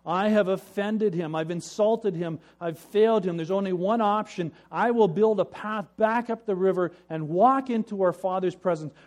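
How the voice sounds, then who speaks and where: A man's voice: high-pitched, a little mellow, voice pushed up, natural voice. A man voicing an anxious, penitent brother who believes he must earn his way home by hard work. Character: anxious male rock-stacking brother, penitent.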